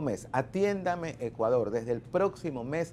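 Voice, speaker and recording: A man speaks with a dark, mellow tone and lively intonation. Light background noise sits behind him. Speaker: TV show host. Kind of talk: TV host announcement to camera. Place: studio. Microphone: lapel.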